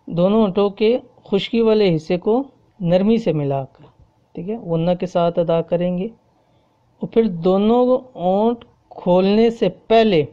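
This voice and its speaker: Here a woman's lowish, dark-toned voice comes through dull audio as she teaches Quran recitation rules. Patient and repetitive, she pauses to ask "okay?" so her students stay with her. The Arabic examples are recited slowly and drawn out, typical of an explanatory tajweed lesson.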